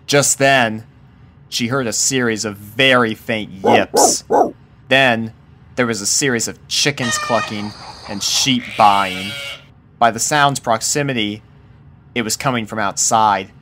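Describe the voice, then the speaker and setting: Unhurried man narrating a story. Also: on the low side, sharp tone. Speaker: fan fiction narrator.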